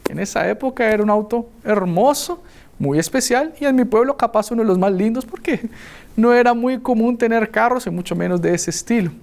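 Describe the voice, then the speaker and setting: A man from Colombia preaching a sermon, telling a childhood story with lively acted-out voices. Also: sits high, fairly quick, creaky. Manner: animated storyteller acting out voices.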